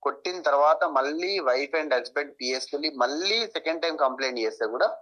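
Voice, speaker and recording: Bright, fast-talking Telangana Telugu man. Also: a little high, low-quality recording. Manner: insistent, repeats points. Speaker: local activist interviewed by phone. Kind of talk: interview account of an incident.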